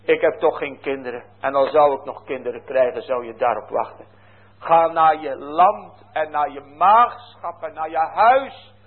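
A man voicing an older widowed mother-in-law who coaxes gently and urges her daughters to turn back. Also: fairly high pitch, unhurried. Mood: urging. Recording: tinny phone-like lo-fi recording.

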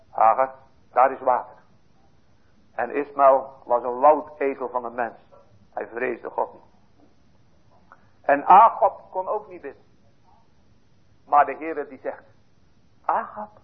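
A man preaching a fervent sermon, dropping to hushed tones and then rising to loud appeals. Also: medium pitch, husky. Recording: tinny lo-fi sermon recording.

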